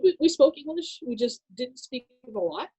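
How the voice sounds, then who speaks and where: A woman from Southern California, in her thirties, tells her personal story as a podcast guest. Her voice sits a little high but sounds mellow and warm, and she talks easily with plenty of "uh"s and small laughs. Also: normal speed, husky, rough recording. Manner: relaxed, laughs easily, many fillers. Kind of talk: personal testimony in casual chat.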